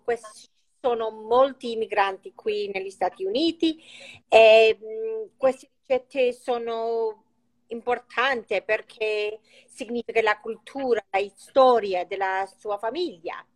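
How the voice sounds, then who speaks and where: A woman with a higher-pitched voice speaks Italian with an American English accent. She goes slowly and haltingly as an interview guest, hunting for words and sometimes switching to English. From United States. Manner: halting, searches for words in non-fluent Italian. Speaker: guest, chef and cookbook author.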